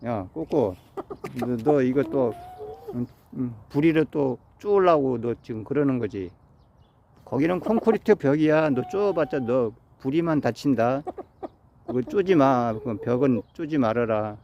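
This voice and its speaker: A man's voice: mid-range voice, expressive, measured pace, vocal fry, warm tone, highs cut off, a little hiss or hum. A man on a rooftop in the early morning, chatting to his pet chicken in a coaxing, teasing way, like he would talk to a child. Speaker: pension owner talking to his pet chicken.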